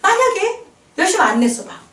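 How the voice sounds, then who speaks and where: A woman pastor preaches with a high, lively voice that swings up and down. She acts out little quoted voices and laughs between points. Her voice is picked up from a distance and rings around an echoey church hall. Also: fairly quick. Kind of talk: sermon.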